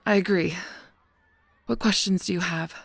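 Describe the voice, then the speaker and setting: A woman acts as a gentle but guarded female angel in an audio drama. The voice is low and husky with a gravelly creak, often sinking near a whisper. The delivery is measured, halting and solemn, recorded very dry and close. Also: fairly even intonation, no room sound. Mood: grave, careful. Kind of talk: scripted audio roleplay drama.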